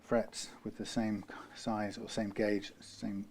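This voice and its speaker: A man's voice: on the low side, little pitch movement, slow pace, very noisy. A man from the UK working through a guitar repair, talking in a rambling way, correcting himself and dropping dry asides. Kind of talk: workshop how-to narration.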